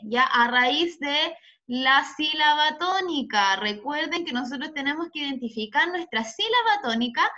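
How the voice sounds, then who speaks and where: A high-voiced woman teaches over a video call, speaking slowly and patiently as she quizzes her students. Her tone is bright and clear, and the call audio is muffled. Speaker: schoolteacher. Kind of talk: online class teaching.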